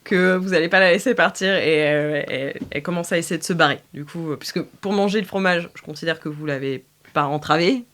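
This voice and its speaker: A woman's voice: low voice, fairly quick, a bit bright. A woman acting as game master, casually narrating an improvised role-playing story.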